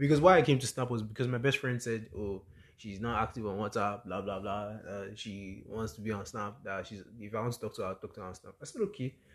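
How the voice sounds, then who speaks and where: A man with a Nigerian accent, very fast pace, fairly low pitch, animated tone, and big swings in loudness. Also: ordinary pitch variation, quiet background. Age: 20s. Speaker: podcast host and university student. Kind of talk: casual chat. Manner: animated, chatty.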